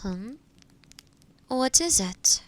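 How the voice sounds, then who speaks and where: Kind fantasy witch, played by a woman: slightly high voice, unhurried, gentle, patient and a little hesitant, intimate roleplay delivery. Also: expressive. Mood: thoughtful. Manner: soft, caring, hesitant, explaining patiently. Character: kind, gentle forest witch brewing potions. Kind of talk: roleplay audio addressed to the listener.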